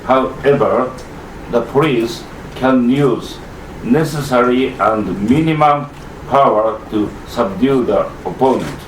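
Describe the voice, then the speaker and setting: A native Japanese speaker reading prepared remarks in English at a press conference, slow and halting. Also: male voice, mid-range voice. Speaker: constitutional law professor at press conference. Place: press club conference room. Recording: roomy, distant mic, faint noise.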